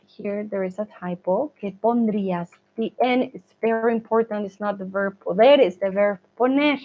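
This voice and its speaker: A woman teaching a language lesson, explaining patiently, stretching out words and checking in with her students. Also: mid-range voice. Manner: patient explaining, drawn-out words, frequent "¿vale?" check-ins. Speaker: Spanish teacher. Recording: dull lo-fi recording.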